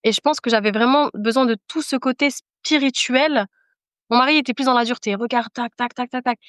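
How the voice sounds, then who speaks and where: A woman's voice: fairly high pitch, brisk, fairly bright tone, dry recording, clean studio sound. A woman speaking as a podcast guest in casual conversation, giving an earnest, emphatic personal testimony and repeating phrases for emphasis.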